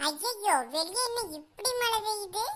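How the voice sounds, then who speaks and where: In a squeaky, cartoonish character voice, a woman speaks at a very slow pace with lively intonation and an extremely high pitch. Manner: blunt, quick comebacks.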